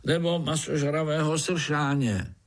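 A man voicing a young male spider who roars when insulted and then explains himself slowly. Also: on the high side, fairly even intonation, pitched above the performer's own voice, close to an everyday voice. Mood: slow, reasoning. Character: young male spider, puzzled and hot-tempered.

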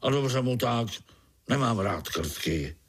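A man's voice: medium pitch, expressive, husky. A man voicing a grumpy, gloomy male earthworm who grumbles scornfully.

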